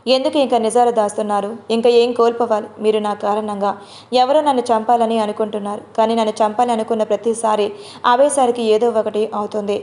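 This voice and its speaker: A woman's voice: on the high side, steady tone, fast talker, a little mellow, natural voice. A woman voicing a frightened young woman who pleads through tears in an audio drama. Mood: anguished outburst. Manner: pleading, breaking into sobs.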